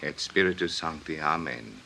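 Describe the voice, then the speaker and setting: A man's voice: lively intonation, normal speed, creaky, sharp tone, heavily acted. An actor playing a solemn male Catholic priest, murmuring a liturgical recitation in a radio drama. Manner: low, murmured intoning. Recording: very noisy old radio, distant.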